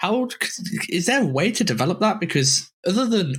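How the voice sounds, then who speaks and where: With a strong English accent, the voice sounds somewhat breathy and has lively intonation. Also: man. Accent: thick English. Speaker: podcast host. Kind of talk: interview conversation. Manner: fast.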